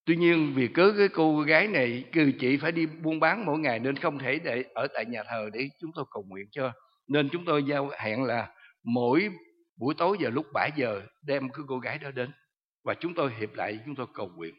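A man's voice: medium pitch, brisk, in a large hall, dull audio. A man, a pastor telling his testimony in a sermon, earnest and commanding.

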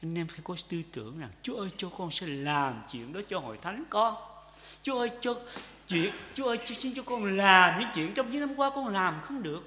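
A man preaching in a church, his bright, high voice ringing through a hall with long reverb. He swings between loud impassioned calls and hushed asides, repeating phrases and putting questions to the congregation, his pitch leaping and falling widely. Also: lively intonation, fairly quick, slight background noise. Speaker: pastor. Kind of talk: sermon. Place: church sanctuary.

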